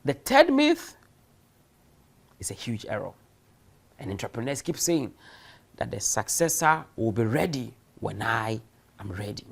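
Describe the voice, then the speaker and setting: A man's voice: mid-range voice, very animated, measured pace, vocal fry, long pauses, slightly rough. A man giving a recorded university lecture, speaking emphatically and posing rhetorical questions. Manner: emphatic, uses rhetorical questions and acted-out examples. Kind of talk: recorded distance-learning lecture.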